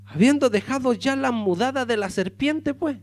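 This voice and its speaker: A male pastor preaching a sermon with passion, calling the congregation brothers and swinging from loud to hushed. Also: very high-pitched, moderate pace.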